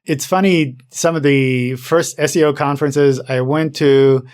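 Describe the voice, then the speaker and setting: A man's voice: mid-range voice, steady tone, a little slow, darkish tone. A man hosting a podcast, chatting casually in a conversational, musing way. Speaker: podcast host.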